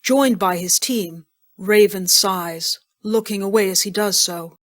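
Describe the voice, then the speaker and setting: A woman's voice: medium pitch, a little slow, no room sound. A woman reading scene directions as scripted narration for an audio drama.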